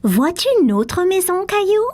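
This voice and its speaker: A woman voicing a patient, loving mother in a dubbed cartoon, soft and encouraging. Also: very high voice, very animated, a little slow, exaggerated voice. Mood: gentle. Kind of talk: French-dubbed cartoon acting.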